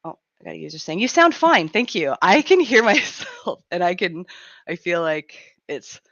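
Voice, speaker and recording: A woman in her thirties hosting a radio show in casual chat, her voice raspy and gruff from a cold, chatty and laughing often. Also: lowish voice, sing-song, normal speed, a bit bright, no echo, highs cut off. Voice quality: raspy, grumbly. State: has a cold, gruff throat. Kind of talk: casual live-stream chat.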